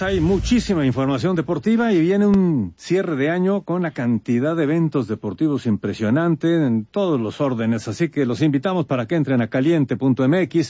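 Man, show host, husky mellow voice, sponsor read, dry dull sound. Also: on the high side, no echo.

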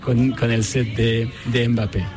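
A man's voice: medium pitch, flat delivery, takes it slowly. A man from Chile, a product designer, answering interview questions hesitantly with many fillers and restarts, at a busy event. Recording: crowd chatter behind.

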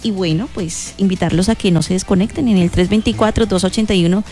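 A woman's voice: mid-range voice, quick pace, soft background music. A woman co-hosting a morning radio show, speaking in an encouraging way about blessings and good wishes. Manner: warm, uplifting, speaks of blessings. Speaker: radio co-host. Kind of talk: casual morning radio chat.

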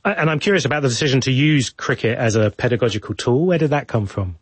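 A man presenting news on the radio from a studio, measured and courteous as he interviews guests. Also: mid-range voice, expressive, breathy edge, no room sound.

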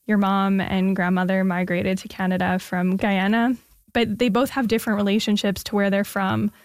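A woman host leads an interview in a friendly, conversational manner. Her voice sits at a middle pitch and is recorded close, with a dry studio sound. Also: flat delivery, moderate pace, dry recording. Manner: friendly, conversational with some fillers. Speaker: radio host.

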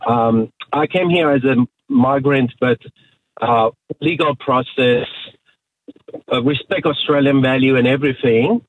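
A man originally from Iran calling in to talk radio, speaking earnestly and haltingly with many fillers. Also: mid-range voice, dry recording. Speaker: caller. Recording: tinny phone line.

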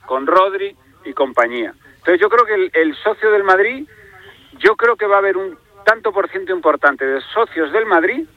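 A man's voice: a little high, dry recording, muffled recording. A man with an accent from Spain giving his opinion in a sports debate, emphatic and repeating phrases for effect. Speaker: football pundit.

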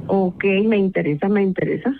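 A woman's voice: medium pitch, a little fast, faint music behind. Friendly businesslike woman on a dull phone line. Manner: friendly, businesslike, laughs easily. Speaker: prank call target.

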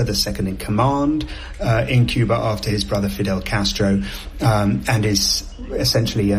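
A man reporting live as a foreign correspondent, explaining events in a measured way with some fillers and restarts. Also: fairly low pitch, slight background noise. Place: remote location on a live link.

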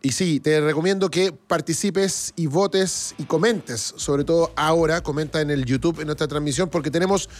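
A man's voice: fairly high pitch, moderate pace, hardly any pauses. A Chilean man hosting a live-streamed music talk show in a casual, chatty way, often repeating himself as he hunts for words. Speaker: show host.

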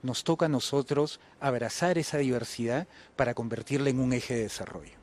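A man's voice: medium pitch, a little fast. Courteous man official. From Peru. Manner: courteous, formal. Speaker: international organization official. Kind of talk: radio interview guest.

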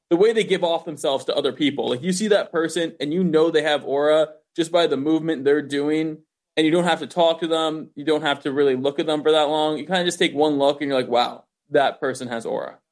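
A young American man giving casual interview answers in informal, slangy speech peppered with "like". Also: a little high. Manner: informal, youthful slang, frequent "like". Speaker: interview guest, event host.

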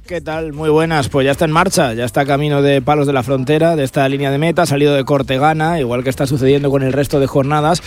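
A man's voice: on the high side, fairly even intonation, fast talker, few pauses, a little mellow. A man reporting on a cycling race for radio, fluent and detailed. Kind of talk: live sports report.

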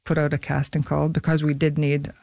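A middle-aged woman from northern Saskatchewan, a filmmaker guest talking in a casual studio interview with many pauses and fillers. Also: low-pitched, monotone, vocal fry, darkish tone, no room sound. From northern Saskatchewan, Canada. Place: radio studio.

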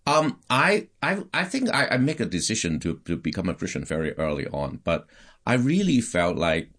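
Deep-voiced man with a Hong Kong accent. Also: sing-song, moderate pace, fairly bright tone. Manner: hesitant, many fillers and restarts. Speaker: pastor. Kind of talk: casual interview talk.

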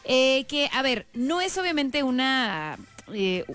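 A woman hosting a casual chat, presenting recommendations with expressive reactions. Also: high-pitched, slow pace. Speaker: podcast host.

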